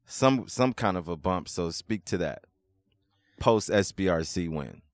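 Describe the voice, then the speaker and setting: A man's voice: low voice, lively intonation, measured pace, dry recording, clean studio sound. A man hosting a casual podcast interview, asking loose, rambling questions. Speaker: podcast host.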